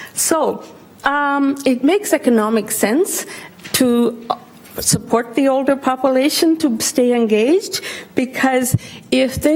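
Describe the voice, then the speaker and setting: With a non-native accent, the speaker uses lively intonation over noticeable background noise. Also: woman. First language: not English. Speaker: professor. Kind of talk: public delegation to council committee. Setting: council committee meeting. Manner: hesitant, many fillers.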